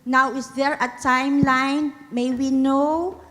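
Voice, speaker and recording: A woman's voice: sits high, little pitch movement, takes it slowly, a bit bright. A woman in the audience asking a long, rambling question at a conference. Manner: rambling, searching for words. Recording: echoey hall with faint music.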